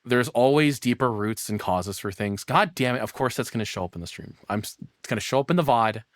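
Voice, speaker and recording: Excitable, rambling man reacting on stream. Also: mid-range voice, brisk, dry recording, studio quality. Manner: rambling, excitable, casually profane. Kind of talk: casual live reaction commentary.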